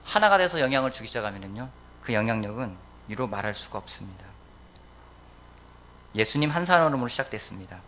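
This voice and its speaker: A man preaching a Sunday sermon as pastor of a church, urging his congregation with emphatic swings between loud appeals and quiet, earnest lines. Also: very animated, quick pace, slight background noise. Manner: emphatic, rising to loud exhortations then dropping low. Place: church sanctuary.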